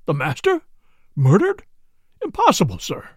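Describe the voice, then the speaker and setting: A man's voice: high-pitched, huge pitch swings, moderate pace, vocal fry, no echo, clean studio sound, pitched above the performer's own voice, heavily acted. A man voicing a proper, deferential butler in an audiobook, formal and servile, easily shocked. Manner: formal, servile, punctuated with "sir". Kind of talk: audiobook character dialogue.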